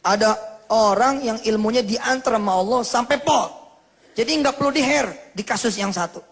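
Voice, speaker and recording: A man's voice: extremely high pitch, moderate pace, husky. A man preaching a storytelling sermon, acting out the dialogue as he tells the story. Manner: lively storyteller who acts out the dialogue. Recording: reverberant hall sound.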